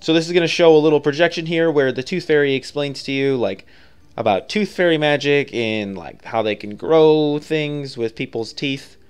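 Clear-voiced man narrating a game walkthrough. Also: a little high, normal speed. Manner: informal, offhand, conversational. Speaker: video game guide creator.

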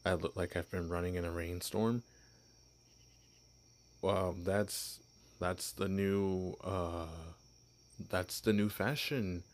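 A man's voice: low voice, fairly even intonation, takes it slowly, pauses often. A man voicing a shy, clueless young male vampire posing as human in an ASMR roleplay, stammering and apologizing. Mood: nervous bluffing.

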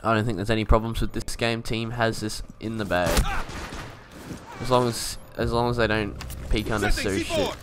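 A man's voice: fairly low pitch, steady tone, normal speed, noisy background. A young man giving casual gameplay commentary as a video creator, laid-back, thinking aloud and swearing now and then. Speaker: gaming YouTuber.

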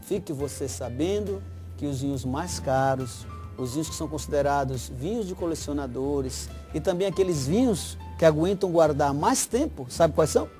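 A man's voice: a little high, lively intonation, moderate pace, dark tone, faint music behind. A middle-aged man explaining wines as a guest sommelier on a TV studio set, emphatic and salesy, on a lapel mic. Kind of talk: TV wine talk and promotion.

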